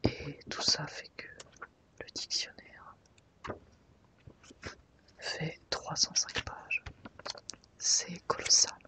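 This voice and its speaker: Whispered ASMR narrator. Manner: soft, unhurried guided browsing through a book. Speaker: ASMR video host.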